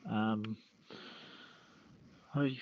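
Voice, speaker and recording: A man hosting a podcast, reading aloud and chatting casually in a halting, list-like way. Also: fairly low pitch, steady tone. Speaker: podcast host. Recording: muffled lo-fi audio, roomy echo.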